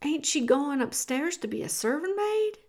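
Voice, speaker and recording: A woman's voice: sits high, big pitch swings, moderate pace, a little mellow, voice pushed up. A woman voicing a simple, needy, wounded little servant girl in a storybook, with plaintive, uneducated folksy speech. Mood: hurt, pleading.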